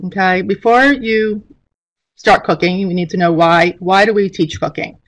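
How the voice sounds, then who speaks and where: A woman's voice: medium pitch, moderate pace. Middle-aged woman presenting a webinar. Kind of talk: informal instructional presentation. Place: indoor room, on a webcam video call.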